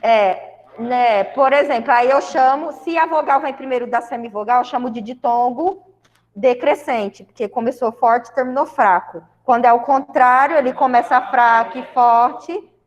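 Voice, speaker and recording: A woman's voice: a little high, moderate pace, big-room sound, muffled recording. A Brazilian woman teaching a grammar lesson to a class, explaining step by step and often checking in with her students. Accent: Brazilian Portuguese. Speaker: school Portuguese teacher.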